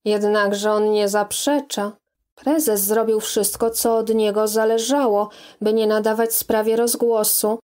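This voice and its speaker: A woman's voice: medium pitch, fairly even intonation, unhurried, darkish tone, close to an everyday voice. A woman reading the part of a hesitant, evasive young man who speaks in a soothing, careful way.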